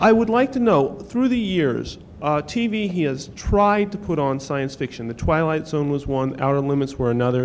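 There is noticeable background noise as a man speaks with lively intonation at a moderate pace. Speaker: audience member. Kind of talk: audience question. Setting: audience microphone.

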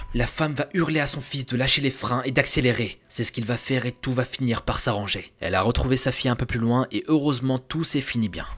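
A man's dramatic, serious delivery at a fairly quick pace, with ordinary pitch variation and hardly any pauses. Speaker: YouTuber. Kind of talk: true-crime narration. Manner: conversational storyteller, casual asides and slang; dramatic, serious tone. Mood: grave, dramatic storytelling. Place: home room. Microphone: studio mic.

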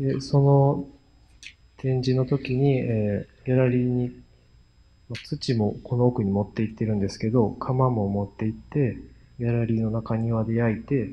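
Talking at a fairly quick clip with fairly even intonation, a man sounds somewhat breathy over light background noise. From Japan, Kyoto (Gojozaka); Japan. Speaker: potter; presenter. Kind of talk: presentation with interpreter; lecture. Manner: halting with many fillers. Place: hall. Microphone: handheld.

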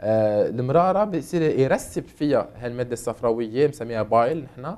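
A man's dark, mellow tone carries lively intonation at a fairly quick pace. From Lebanon. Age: 30s. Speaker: surgeon; guest. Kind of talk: TV interview. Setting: TV studio. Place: studio. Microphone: lapel.

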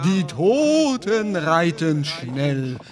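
A man's high voice with very wide pitch swings at a very slow pace, amid noticeable background noise. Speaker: narrator. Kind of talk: poetry reading.

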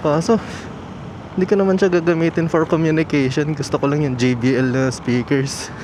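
A man with a fairly high pitch and ordinary pitch variation speaks at a moderate pace and very even loudness over noticeable background noise. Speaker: motovlogger. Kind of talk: vlog narration while riding.

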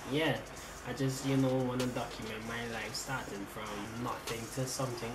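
Background noise can be clearly noticed. Over it, a man talks at a moderate pace. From Trinidad and Tobago. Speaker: fitness vlogger. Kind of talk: casual talk to camera. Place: home room. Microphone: webcam.

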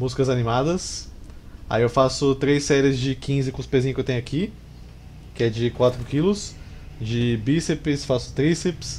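Fairly slow male speech with ordinary pitch variation. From Brazil. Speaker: gaming streamer. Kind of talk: live gameplay commentary. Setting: home studio with headset microphone. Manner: animated. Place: home room.

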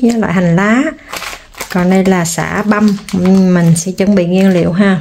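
Light background noise accompanies a woman speaking. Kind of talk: casual vlog chat. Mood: warm, affectionate. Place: kitchen. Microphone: phone near.

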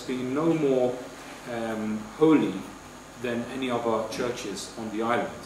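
At a fairly slow pace, a man speaks over noticeable background noise with audible room echo. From Turkish Cypriot community. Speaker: seminar speaker. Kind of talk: lecture. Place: hall.

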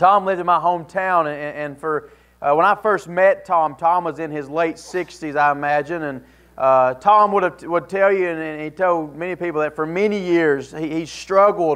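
This man's voice sits high in pitch. His intonation stays fairly even against a quiet background. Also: moderate pace. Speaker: preacher. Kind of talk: sermon. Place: church. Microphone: lapel.

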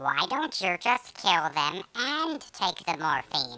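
Put-on character voice at a middle pitch, fairly slow, with very wide pitch swings. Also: female-sounding voice. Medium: fan dub. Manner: sly, suggestive, goading.

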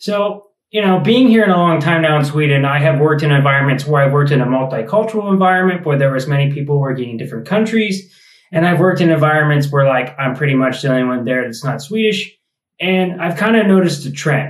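A man rattles along at a very fast pace, with audible room echo around him. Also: ordinary pitch variation. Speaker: vlogger living abroad. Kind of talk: casual vlog chat. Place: kitchen. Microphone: camera far.

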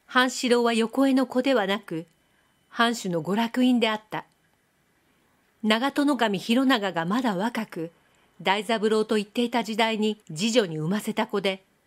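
On a very clean recording with a silent background, the speaker uses a soothing tone, ordinary pitch variation and a fairly slow pace. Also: woman. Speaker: audiobook narrator. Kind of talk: literary fiction reading.

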